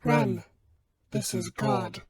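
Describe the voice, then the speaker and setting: A woman's voice: mid-range voice, little pitch movement, drawn-out words, a loud crowd. A woman playing an imperious, exasperated God in a comedy skit, solemn in pronouncements but bluntly sarcastic.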